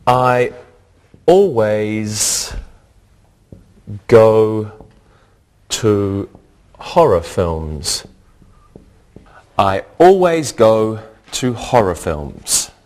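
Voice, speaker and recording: A man's voice: lowish voice, very animated, drawn-out words, long pauses, darkish tone. A man hosting a scripted English lesson, speaking carefully and repeating words for learners. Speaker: English teacher and host.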